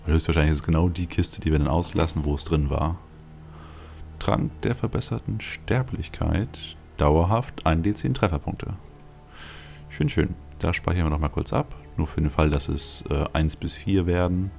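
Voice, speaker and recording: A man with an extremely low, creaky voice talks casually through a video game as host. His asides are wry and dry-humoured as he thinks aloud. Music plays behind him. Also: normal speed, darkish tone. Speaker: let's play host.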